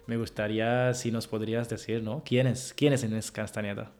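A man hosting a conversational podcast interview, speaking haltingly with non-native phrasing. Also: fairly low pitch, flat delivery, darkish tone. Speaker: podcast host interviewing a guest.

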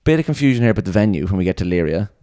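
A man's voice: low voice, very animated, rapid-fire, mellow, no room sound. A young man, rambling through tour stories in casual podcast chat and swearing freely. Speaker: band member and podcast host.

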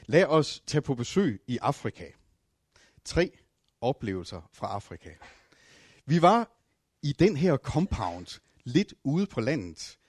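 A man preaching a sermon, telling stories with dramatic swings between loud and hushed passages. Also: mid-range voice, slightly rough, no echo, studio quality. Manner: storytelling with fillers and restarts.

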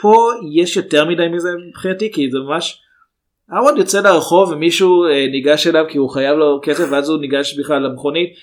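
A man chatting about a film as a podcast co-host, measured and critical, with hesitant fillers. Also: fairly high pitch. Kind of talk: casual film review chat.

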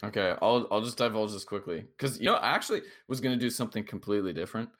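Tipsy young man with a deep voice. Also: animated, a bit bright. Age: 20s. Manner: rambling, halting, full of fillers and restarts. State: tipsy from drinking shots. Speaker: podcast co-host. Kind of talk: casual podcast chat.

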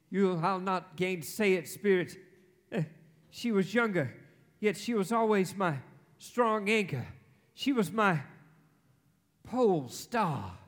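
A man playing a wistful, emotional old miser in a radio play performed live on stage. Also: high voice. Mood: tender, grieving. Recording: live stage recording, reverberant hall, music underneath.

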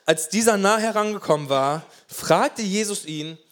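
A man's voice: high voice, moderate pace, fairly bright tone. Passionate, emphatic male preacher. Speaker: pastor. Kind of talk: sermon.

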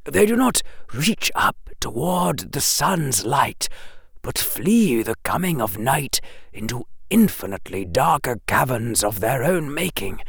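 A reader voicing an ancient, gentle wizard headmaster in a slow, hushed, breathy whisper. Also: medium pitch, dry recording, studio quality, voice pushed up, full character voice. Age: over 100 (figure).

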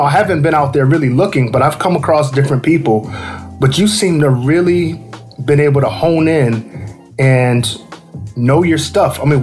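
A man's voice: a little high, darkish tone. Enthusiastic man hosting a podcast. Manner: friendly, enthusiastic, filler-heavy. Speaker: podcast host. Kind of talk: casual podcast interview.

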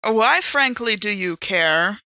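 A woman's voice: medium pitch, expressive, slow, pushed and bright, no echo. A woman playing a tabletop roleplaying game, chiming in with casual banter.

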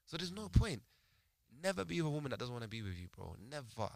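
A man's voice: medium pitch, sing-song, quick pace, creaky, dry recording, clean studio sound. A young man, telling stories in casual, slangy street talk full of banter. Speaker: podcast participant. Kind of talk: animated casual banter and storytelling.

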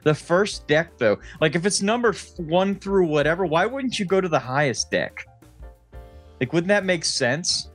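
A man's voice: on the high side, animated, moderate pace, a bit bright, faint music behind. Joking American man, casual podcast chat. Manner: laughs while talking, swears freely, jokey storytelling. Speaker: podcast co-host.

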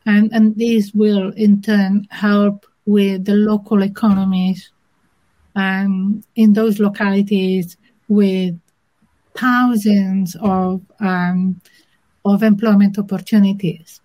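A woman with an Italian accent, an interview guest who explains things in a measured, thoughtful way with many pauses. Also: medium pitch, level tone, warm tone, poor audio. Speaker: interview guest, inclusion manager. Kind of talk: conversational interview.

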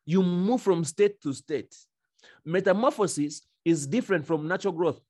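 A male preacher delivering an emphatic sermon in a somewhat high voice. He hammers his points home by repeating phrases, and the sound is dry and close with almost no room echo. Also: lively intonation, normal speed, dark tone.

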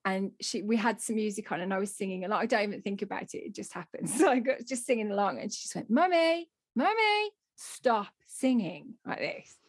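A woman in her thirties with a Black Country accent, co-hosting a podcast and telling stories in a chatty, animated, self-mocking way. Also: medium pitch, fast, hardly any pauses, breathy edge, dry recording, clean studio sound. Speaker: podcast co-host. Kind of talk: casual chat.

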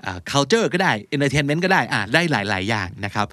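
A man's voice: medium pitch, very animated, moderate pace, fairly bright tone, no echo. A man, co-hosting a podcast and casually explaining English terms, dropping English words into his talk.

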